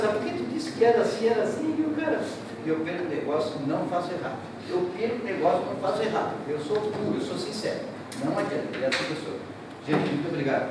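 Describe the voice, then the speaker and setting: A heartfelt middle-aged man speaks at a ceremony, repeating his points with feeling. His voice sits a little high and is caught from across a large, echoing hall. A steady background noise runs under it. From southern Brazil. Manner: emotional, repetitive, gestures broadly while speaking. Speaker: real estate broker giving a speech. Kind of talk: informal ceremony speech. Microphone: distant room mic. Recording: echoey hall, distant mic, noisy.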